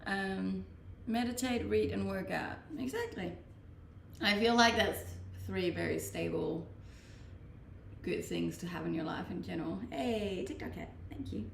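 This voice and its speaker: A young woman from Denmark, a native Danish speaker, chats casually on a live stream, reading questions aloud and answering them. Her voice has a gravelly edge. She sits a little back from the mic in a roomy space with faint background noise. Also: medium pitch, unhurried, distant mic. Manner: relaxed, reads questions aloud then answers. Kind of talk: casual chat.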